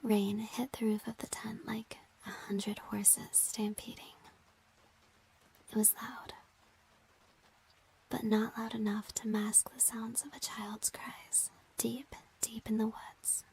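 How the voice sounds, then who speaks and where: A woman playing a playful, flirty crush in an intimate ASMR roleplay, speaking in a soft, breathy whisper with a teasing, hesitant manner. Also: a little high, level tone, slow, heavily acted. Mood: hushed storytelling. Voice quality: breathy, mostly unvoiced whisper.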